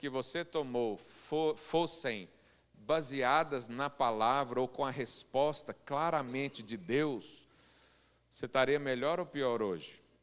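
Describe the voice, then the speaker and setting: A man is speaking. His pace is very slow. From Brazil, Goiânia. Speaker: pastor. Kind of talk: sermon. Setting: church service.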